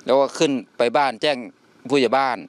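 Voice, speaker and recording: A man's voice: mid-range voice, steady tone, a little fast, clean tone. A man from the village who saw what happened, recounting it plainly in a casual interview. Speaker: eyewitness villager.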